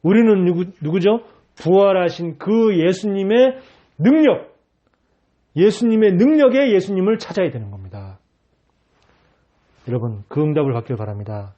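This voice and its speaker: A man's voice: high voice, animated, normal speed, mellow, muffled recording. A male pastor preaching a sermon, emphatic, asking the congregation rhetorical questions.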